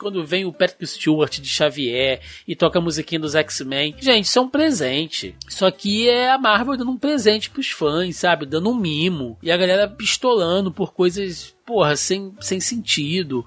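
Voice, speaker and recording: A man speaks at a high pitch with very wide pitch swings and a moderate pace. He hardly pauses at all. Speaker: podcast host. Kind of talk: casual chat. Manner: animated.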